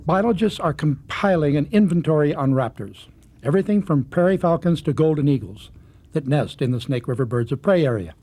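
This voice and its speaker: A man's voice: a little high, lively intonation, a little fast, mellow. A man reading scripted narration for a nature documentary, with outdoor ambience behind him.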